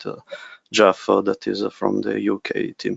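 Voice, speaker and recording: A man with an Italian accent. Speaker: CAD technical specialist. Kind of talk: webinar presentation. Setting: online webinar. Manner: halting, many fillers.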